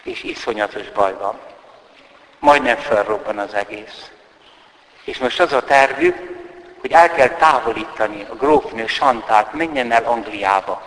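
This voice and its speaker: A man lecturing, retelling a novel's plot in a deliberate storytelling manner. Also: mid-range voice, lively intonation, fairly bright tone. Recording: roomy hall with long reverb.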